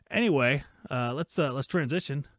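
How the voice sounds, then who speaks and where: Rambling and cracking jokes while he reads out viewer chat, a man in his forties hosts his live-streamed shop talk podcast from his workshop. He speaks in a mid-range voice at a moderate pace, captured dry and at studio quality.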